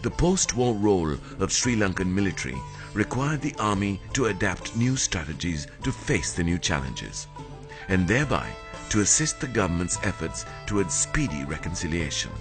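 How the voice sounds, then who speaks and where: A man reading a formal, scripted documentary narration in a measured way. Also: low voice, very animated, music in the background.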